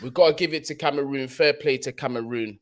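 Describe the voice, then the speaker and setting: Hosting a live football stream, a young man from London talks fast in a chatty, slang-heavy way, frequently going back over his points. He has a London accent and a mid-range voice, and the recording is very noisy.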